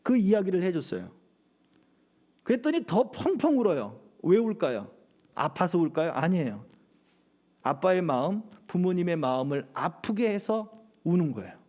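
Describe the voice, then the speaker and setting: A man's voice: high-pitched, big pitch swings, normal speed, darkish tone. A middle-aged male pastor preaching a sermon at a church service, often asking the congregation rhetorical questions.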